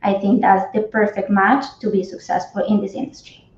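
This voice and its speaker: A woman's voice: mid-range voice, steady tone, moderate pace, crowd noise. Woman, HR guest, earnest, restarts often, roomy echo. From Colombia. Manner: earnest, frequent restarts and repeated words. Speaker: cannabis company HR guest. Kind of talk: interview answers. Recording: echoey, dull remote audio.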